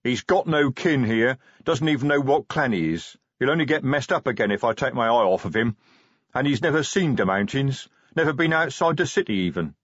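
A man's voice: medium pitch, expressive, a little fast, fairly bright tone, breathy edge, dry recording, muffled recording. A man voicing an eager, loyal troll in an audiobook, simple, earnest and deferential. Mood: pleading. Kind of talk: audiobook character voice.

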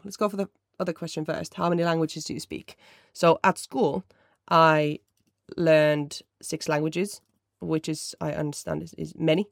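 Mellow podcaster in their thirties, a bit of vocal fry, keeps restarting sentences. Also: mid-range voice, no echo, studio quality. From Finland. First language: Finnish. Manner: mellow, rambling, self-correcting. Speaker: podcast host. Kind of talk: casual solo chat answering listener questions.

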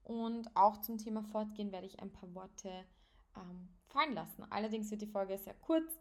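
A young woman with an Austrian accent talks alone as a podcast host. Her voice sits at an average pitch for a woman. She chats informally and without a script, mixing English expressions into her sentences. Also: moderate pace. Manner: informal, sprinkles English phrases into her talk. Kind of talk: casual solo podcast chat, unscripted.

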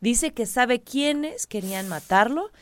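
A woman's voice: a little high, animated, slow. A woman co-hosting a podcast in casual chat, playful and giggly, repeating catchphrases. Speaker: podcast co-host.

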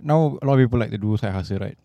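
A man's voice: fairly low pitch, very fast, vocal fry, no room sound, lo-fi sound. A man with a Singaporean accent explaining things casually in colloquial Singlish as a podcast co-host.

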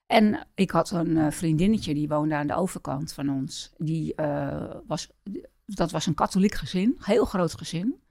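Middle-aged woman from the Netherlands, low and gravelly, halting interview guest. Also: a little mellow, dry recording, clean studio sound. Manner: hesitant, many pauses and fillers. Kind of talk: personal life-story interview.

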